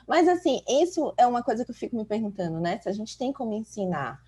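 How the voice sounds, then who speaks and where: A woman's voice: on the high side, very animated, fast talker, mellow, husky. A woman from Salvador with a Bahian accent, a doctor co-hosting a podcast, talking reflectively and telling stories with frequent "né?" tags. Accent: Bahian Portuguese. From Salvador, Bahia, Brazil. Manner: reflective, storytelling, many filler tags like "né". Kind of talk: casual conversation.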